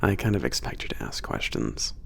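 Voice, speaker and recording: A man playing a teasing werewolf trainer with a bit of an attitude in an ASMR roleplay, gravelly, casual and hesitant in his banter. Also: very deep voice, sing-song, fairly quick, a bit bright, heavily acted. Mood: casually helpful. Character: teasing, gruff-edged male werewolf trainer at a spaceport. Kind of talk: ASMR roleplay, naturalistic one-sided conversation.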